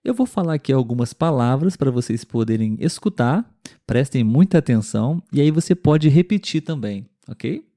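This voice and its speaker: A man with a Brazilian Portuguese accent hosting a podcast pronunciation lesson, patiently repeating example words slowly and clearly for learners. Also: mid-range voice, expressive, mellow, dry recording, studio quality. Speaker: language teacher and podcast host.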